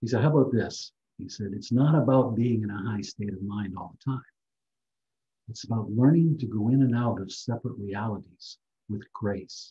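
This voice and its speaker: A man with a dark, mellow, somewhat breathy tone, medium pitch and ordinary pitch variation, moderate pace, long, frequent pauses and big swings in loudness. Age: 70s. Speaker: spiritual teacher. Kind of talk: webinar talk. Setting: video call. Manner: soft-spoken. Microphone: too quiet, moved closer to mic.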